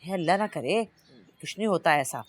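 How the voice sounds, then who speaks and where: An actress playing a bossy, pious household woman who gives brisk commands, in Pakistani Urdu. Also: on the low side, lively intonation, breathy edge. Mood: commanding. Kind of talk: TV drama acting.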